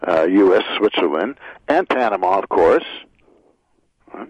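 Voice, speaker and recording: Halting man, dry muffled radio. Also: low voice, animated, husky, dry recording. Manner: halting, many filler "uh"s, rambling; heated and cynical about politicians. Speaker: author and radio commentator. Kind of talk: unscripted radio commentary.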